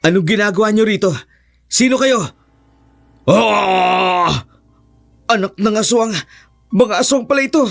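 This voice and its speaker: A man's voice: sits high, brisk, soft background music, pitched above the performer's own voice, lightly acted. A man with a Filipino accent voicing a brave young male student who confronts aswang in a horror story. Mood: defiant. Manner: tense, urgent, shouting.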